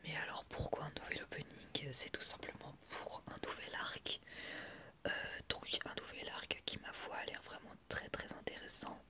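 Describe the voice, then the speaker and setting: Un homme qui anime une vidéo ASMR, au chuchotement doux, avec un phrasé hésitant. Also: male voice, moderate pace. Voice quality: soft unvoiced whisper. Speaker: host of an anime ASMR channel. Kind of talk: whispered ASMR commentary.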